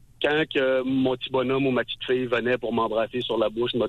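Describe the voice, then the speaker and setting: A man speaks in a plain, everyday voice at a moderate pace and a medium pitch. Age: 30s. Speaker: caller. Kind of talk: phone-in call. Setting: phone call.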